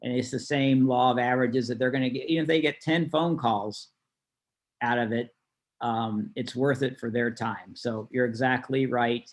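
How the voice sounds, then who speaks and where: A man's voice: medium pitch, steady tone, moderate pace. A man working as a class instructor, explaining things conversationally in an informal online lesson. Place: online video call.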